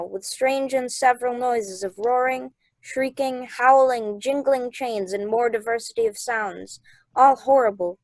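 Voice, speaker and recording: A woman's voice: a little high, dry recording, rough recording. A woman playing an earnest, amazed ship's sailor in a Shakespeare radio play.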